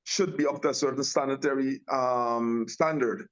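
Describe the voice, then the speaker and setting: A man's voice: mid-range voice, fairly even intonation, normal speed. A man from Guyana talks as an interview guest over a remote call. His speech rambles, with many restarts and fillers. The audio is muffled and lo-fi. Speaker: guest, tea company owner. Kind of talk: casual interview talk.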